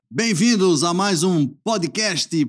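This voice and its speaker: The man talks at a very slow pace. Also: very clean recording, silent background. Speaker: podcast host. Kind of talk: podcast introduction.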